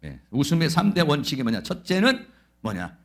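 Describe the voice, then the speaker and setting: A man's voice: a little high, big pitch swings, moderate pace, creaky, a bit bright. A male pastor preaching a Sunday sermon, fervently proclaiming declarations and answering his own questions. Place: church Sunday service.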